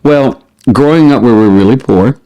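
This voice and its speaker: A middle-aged man chatting casually as a vlogger, expressive and prone to wandering off on tangents as he answers questions. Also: mid-range voice, moderate pace, poor audio. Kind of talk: casual chat to camera, answering listed questions.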